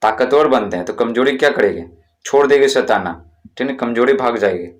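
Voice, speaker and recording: A man's voice: medium pitch, a little fast. A male teacher explaining a lesson, chanting street-vendor calls as examples and often checking in with "okay?". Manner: chants vendor calls, keeps saying "theek hai". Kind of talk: classroom-style explanation.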